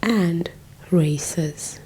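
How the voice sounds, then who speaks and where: A young South African woman with a South African accent, whispering an ASMR lesson as she recovers from flu, softly repeating words into a close mic. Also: on the low side, extremely slow, slightly rough, poor audio. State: recovering from flu, a little hoarse. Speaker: ASMR creator. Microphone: close microphone.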